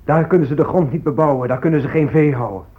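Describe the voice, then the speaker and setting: A man's voice: fairly high pitch, fast, natural voice. An actor playing a determined, defiant Native American man with an emphatic manner in a radio drama. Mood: defiant, urgent. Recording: muffled lo-fi tape with faint noise.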